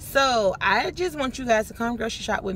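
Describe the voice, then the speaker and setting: A woman's somewhat breathy voice, dry with no echo, carries lively intonation over light background noise. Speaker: vlogger. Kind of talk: casual vlog chat. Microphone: phone near.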